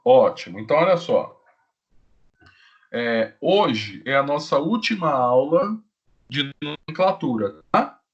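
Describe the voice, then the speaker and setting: A man teaching chemistry in a live online class, talking to students with frequent check-ins and slowing down to stress key rules. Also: medium pitch, lo-fi sound. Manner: lively, repetitive teacher talk, often checks in with "tá?".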